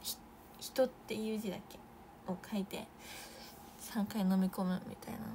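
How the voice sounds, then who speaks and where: A young Japanese idol woman chatting casually on a live stream, reading viewer comments with bursts of excitement and soft asides. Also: mid-range voice, normal speed, a little hiss or hum.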